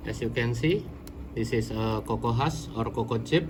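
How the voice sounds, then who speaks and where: A man with an Indonesian accent, a native Indonesian speaker, hosting an instructional vlog, explaining slowly and sometimes searching for words. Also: mid-range voice, noisy background. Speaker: plant grower and channel host.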